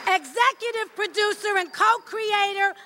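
A woman voicing a fussy old Jewish grandmother who introduces a panel, doting and kvetching with Yiddish words. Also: some chatter behind. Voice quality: gravelly, high and sharp. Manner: kvetching, Yiddish-peppered, slow and drawn out. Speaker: panel announcer.

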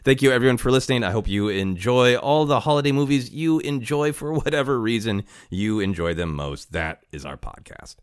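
A man's voice: medium pitch, a little fast, hardly any pauses, clear, resonant tone, no echo, clean studio sound. A man hosting a podcast in a casual, playful, wry chat. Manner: chuckles often, wry and playful. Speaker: podcast host.

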